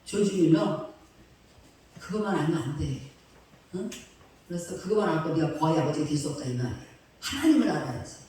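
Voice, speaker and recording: A woman pastor preaches with punchy emphasis and lots of rhetorical questions. Her voice carries through a very echoey church hall from some distance, with faint noise underneath. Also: on the low side. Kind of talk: sermon. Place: church sanctuary.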